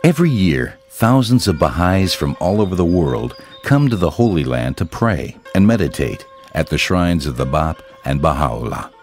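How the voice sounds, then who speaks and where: A man giving calm, measured, reverent narration for a documentary. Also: low-pitched, faint music behind.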